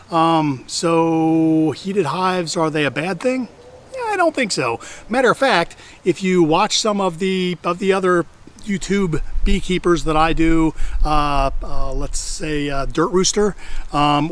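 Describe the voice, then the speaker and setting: A middle-aged man hosting a casual beekeeping vlog outdoors, talking in a chatty way with exclamations and repeated restarts. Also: sits high. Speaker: hobbyist beekeeper and channel host. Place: outdoors in a wooded backyard apiary. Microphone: camera on a tripod at a distance. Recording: faint outdoor noise, bees and insects.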